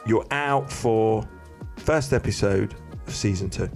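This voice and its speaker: A man's voice: on the low side, slow pace, darkish tone, faint music behind. A man co-hosting a podcast in casual chat, talking in an earnest, sincere way. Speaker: podcast co-host.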